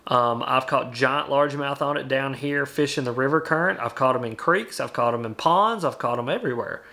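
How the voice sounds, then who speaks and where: A young adult man arguing his case in an animated, emphatic way as a guest on a video call from home. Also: mid-range voice, fairly quick. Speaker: guest angler. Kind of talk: casual debate over a video call. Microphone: webcam on a video call.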